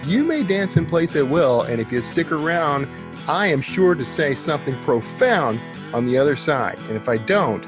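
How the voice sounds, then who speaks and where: A man's voice: fairly high pitch, expressive, moderate pace, music in the background. A man hosting a podcast, chatting casually and conversationally to his listeners with jokey asides. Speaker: podcast host.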